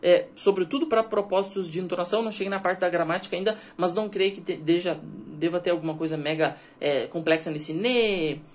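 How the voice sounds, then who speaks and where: A man's voice: sits high, brisk, hardly any pauses. A man from Brazil, talking casually in an educational vlog and often checking in with the listener. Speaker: language-learning vlogger.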